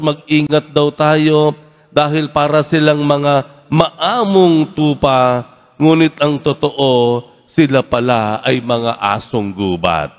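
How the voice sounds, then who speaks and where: A male Catholic priest giving a homily, telling a story in a relaxed, conversational way and often adding a questioning "no?" after his phrases. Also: medium pitch. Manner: animated storyteller, acts out quoted voices. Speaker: Catholic priest, parish rector. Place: large church. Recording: long church reverb.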